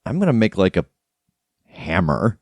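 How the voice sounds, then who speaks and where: A man's voice: low voice, very animated, measured pace, husky, no room sound, studio quality. A man playing a tabletop game, chatting casually as he describes his moves.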